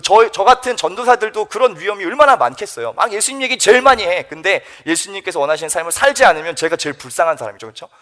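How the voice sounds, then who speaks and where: A man preaching a youth sermon in church, telling the story in a lively way and acting out the characters. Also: sits high, very fast, hardly any pauses. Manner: animated storytelling, acts out characters. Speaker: youth pastor.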